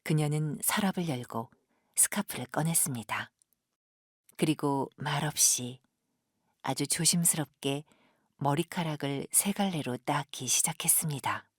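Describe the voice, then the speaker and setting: Female narrator for audio drama: deep register, breathy texture, gentle scripted storytelling. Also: a little slow, no room sound, studio quality. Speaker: narrator, professional voice actor.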